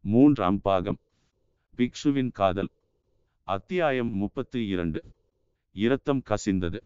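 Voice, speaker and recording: Low, crisp-voiced male audiobook narrator. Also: animated, a little mellow, dry recording. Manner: measured storytelling. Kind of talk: scripted novel narration. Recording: dull lo-fi audiobook recording.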